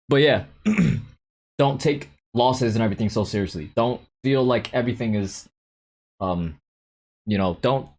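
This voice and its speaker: A young man hosting a casual livestream about day trading, laid-back and quick to laugh, reading out chat messages. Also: mid-range voice, darkish tone, slight background noise.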